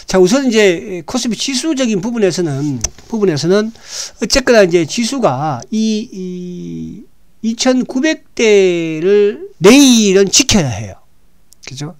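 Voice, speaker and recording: A man with a hoarse, slightly raised voice talks through the day's stock market like a regular show host. He speaks casually, restarts his sentences and keeps asking his listeners "right?" The sound is dry and close. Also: sits high, very animated, no room sound. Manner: talks with frequent "right?" tag questions, halting restarts.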